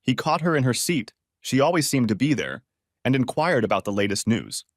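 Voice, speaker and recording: A man narrates an audiobook story in a steady storytelling manner. His pitch moves a lot, though it sits in the middle range. The recording is dry and close. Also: brisk, dry recording.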